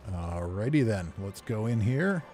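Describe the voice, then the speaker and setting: Male let's-play narrator: relaxed dark tone, easygoing, thinks aloud, soft music underneath. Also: fairly low pitch, measured pace. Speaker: gamer narrating playthrough. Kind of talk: casual game commentary.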